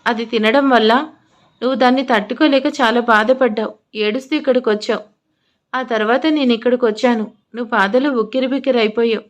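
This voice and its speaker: A woman voicing a gentle young man who soothes and pleads. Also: a little high, fairly even intonation, fairly quick, natural voice. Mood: soothing.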